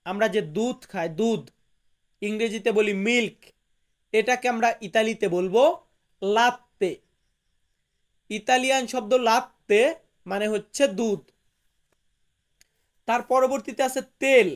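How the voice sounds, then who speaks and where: A man from Bangladesh, teaching a vocabulary lesson to viewers, slowly repeating each word and its meaning with emphasis. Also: high-pitched, fairly even intonation. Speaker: language teacher.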